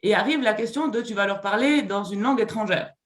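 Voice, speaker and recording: A language theatre facilitator answering a panel question on a video call, hesitant and full of fillers, with lively examples. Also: mid-range voice, a little fast, reverberant.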